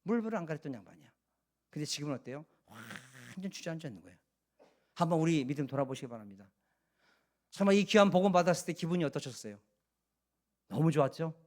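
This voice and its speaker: A male pastor with a high voice delivers an emphatic sermon in a church. He keeps turning to the congregation with rhetorical questions and drives his points home. The voice sits well above the usual male range. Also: animated, quick pace, long pauses, a little mellow. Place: church sanctuary.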